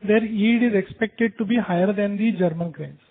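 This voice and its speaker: A man's voice: high voice, normal speed. An Indian-accented man, a company executive, explaining figures in answer to investor questions on an earnings call. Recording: narrow tinny conference phone line.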